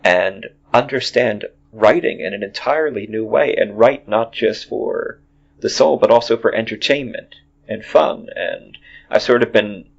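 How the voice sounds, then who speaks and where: Gravelly-voiced man in his forties. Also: on the low side, unhurried. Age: 40s. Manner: rambling, many restarts. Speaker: podcast host. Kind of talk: casual chat. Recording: dull lo-fi audio.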